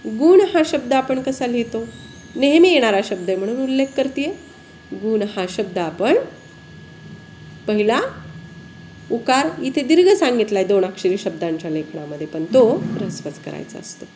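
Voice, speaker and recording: A woman teacher explains spelling rules at an unhurried pace. Her fairly high voice rises and falls a lot as she asks her pupils questions. Faint noise sits behind her. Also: animated, mellow. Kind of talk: spelling lesson.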